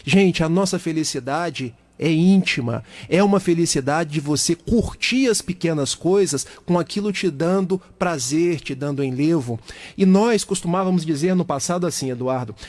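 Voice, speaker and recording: A man's voice: on the high side, darkish tone. A middle-aged Brazilian man with a Brazilian Portuguese accent, a guest speaker on a radio talk show, explaining at length with everyday examples.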